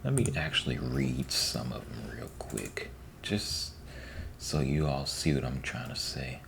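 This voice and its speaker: A man giving a soft-spoken ASMR ramble, breathy and often near a whisper, informal and repeating himself, close to the microphone. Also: rumbling low, expressive, a little slow. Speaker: ASMR host. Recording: faint background noise.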